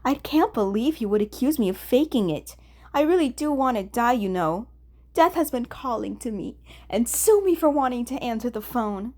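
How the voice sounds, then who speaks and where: A woman's voice: fairly high pitch, lively intonation, normal speed, warm tone, voice pushed up. A woman voicing a smug, theatrical young man, a playful detective, in a fan fiction audiobook. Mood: smug, teasing. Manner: melodramatic, playful.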